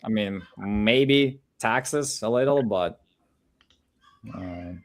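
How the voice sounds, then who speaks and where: A man's voice: on the low side, takes it slowly. Chatty man who stumbles over words. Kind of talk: casual chat.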